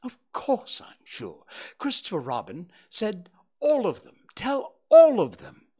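A man's voice: high-pitched, wildly swooping pitch, takes it slowly, dark tone, breathy edge, pitched above the performer's own voice, heavily acted. A man voicing a fussy, self-important male owl in a storybook reading, insistent and emphatic.

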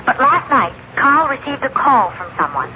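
Anxious, mistrustful wife, 1950s radio sci-fi, thin muffled vintage recording. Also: female voice, high-pitched, sing-song, moderate pace, a little hiss or hum. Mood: worried, pleading. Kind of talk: 1950s radio drama acting.

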